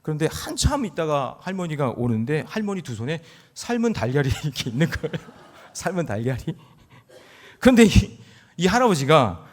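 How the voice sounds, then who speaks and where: A middle-aged male pastor gives a Sunday sermon, talking to the congregation like a friend, with jokes and asides. His voice sits somewhat high for a man and swings widely in pitch as he builds toward stressed points. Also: normal speed. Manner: lively and conversational, with jokes and rising emphasis. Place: church sanctuary.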